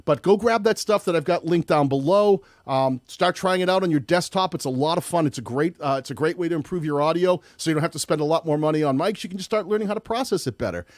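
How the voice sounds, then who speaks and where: A man with a loud voice hosting a live-streamed tutorial, chatty and rambling with frequent restarts. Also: on the high side, quick pace, hardly any pauses, no echo, clean studio sound. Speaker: host.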